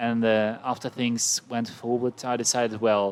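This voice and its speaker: Speaking with a Ukrainian accent, a man keeps a moderate pace and a monotone, flat intonation. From Ukraine. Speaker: podcast co-host. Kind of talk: casual chat. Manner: halting.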